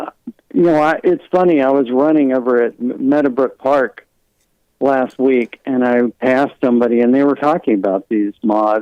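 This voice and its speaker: This is an unremarkable speaking voice from a man. His pitch is medium with ordinary variation. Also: moderate pace. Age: 60s. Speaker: retired entomology professor. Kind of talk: casual interview.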